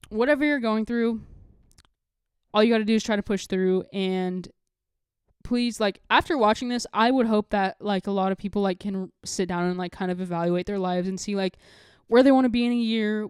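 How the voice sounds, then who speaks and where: Candid young woman podcaster, smooth clear voice. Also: medium pitch, a little mellow, no echo, clean studio sound. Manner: rambling, heavy use of "like", candid. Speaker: podcast host. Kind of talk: casual confessional solo talk to viewers.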